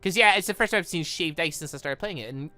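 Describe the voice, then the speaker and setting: A man's voice: a little high, fast talker, sharp tone, no echo, soft background music. A British man giving casual, rambling let's-play commentary on a visual novel, stumbling over words and correcting himself as he goes. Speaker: gaming video host.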